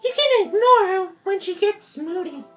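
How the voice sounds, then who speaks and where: A very high, squeaky schoolgirl, bubbly and airheaded. She is loud and excitable, like a game character, with faint music behind. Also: normal speed. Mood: excited.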